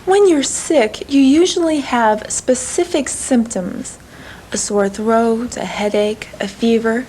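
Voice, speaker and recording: A woman narrating an English lesson in a clear, measured teacher's delivery. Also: on the high side, dark tone, a little hiss or hum, rough recording. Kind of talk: scripted instructional narration.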